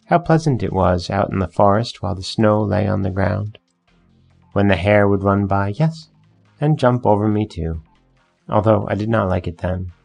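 A man's voice: lowish voice, expressive, normal speed, creaky, darkish tone, soft background music. A man voicing an eager, naive young fir tree in a storybook reading, asking longing, wondering questions. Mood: lonely.

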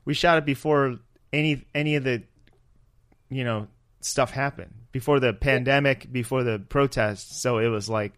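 A man's voice: medium pitch, fairly even intonation, normal speed, fairly bright tone, clean tone, dry recording, clean studio sound. A man co-hosting a podcast in casual, joking banter over a video call. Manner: joking, informal. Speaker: podcast co-host.

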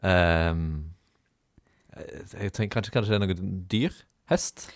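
A man's voice: sits low, no room sound, clean studio sound. A man on a student radio show, chatting casually and stammering hesitantly as he guesses. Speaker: radio co-host and quiz contestant. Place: radio studio.

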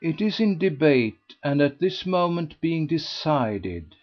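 A man voicing a regal, composed older society matron who speaks in measured, judicial, dry tones. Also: fairly high pitch, very animated, dull audio, soft background music, voice pushed up. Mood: cool.

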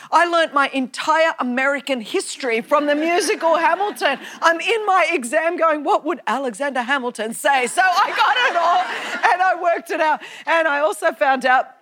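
A middle-aged woman with an Australian accent, delivering a sermon as animated storytelling and laughing often. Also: sits high. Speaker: preacher.

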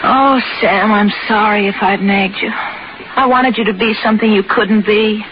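On a dull, heavily noisy old radio recording, a woman acts a bedridden wife. She is gentle and plaintive, a long-suffering, wistful woman in a 1940s radio play. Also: medium pitch, steady tone, normal speed, natural voice. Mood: wistful, pleading. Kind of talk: 1940s radio drama acting.

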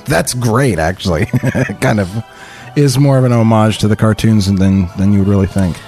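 A man's voice: fairly low pitch, normal speed, darkish tone, soft background music. A man hosting a casual comedy podcast, joking and swearing as he reads through a script with friends. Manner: joking, profane, laughs often.

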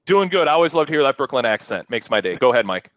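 A man hosting a casual talk radio show in a wordy, halting, rambling way. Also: mid-range voice, very animated, fairly bright tone, dry recording. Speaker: show host.

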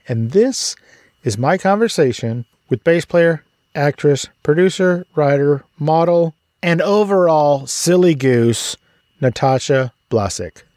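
Upbeat podcast host, dry sound. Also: male voice, a little high, expressive, slow, a little mellow, no echo. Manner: upbeat, chatty intros. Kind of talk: casual interview.

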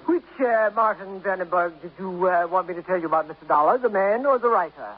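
A man plays a lofty middle-aged literary critic who speaks with precise, withering contempt. His voice sits fairly high for a man. It comes through a dull old radio broadcast with a faint hiss underneath. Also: brisk, natural voice. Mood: scornful. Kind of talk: 1950s radio drama acting.

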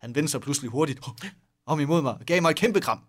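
A man's voice: on the high side, expressive. A man reading a story aloud in a mock-dramatic way, joking and laughing with a co-host. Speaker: podcast co-host reading fan fiction aloud. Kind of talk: comic read-aloud with banter.

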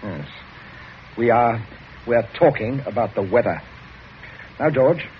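A man voicing a steely country squire who rules his household with clipped, icy commands. He speaks at a middle pitch. The sound is muffled and faintly hissy, like an old radio broadcast. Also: expressive, a little slow, lightly acted. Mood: cold, calculating. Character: cold, domineering country squire father, magistrate. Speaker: father. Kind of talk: 1940s radio drama acting.

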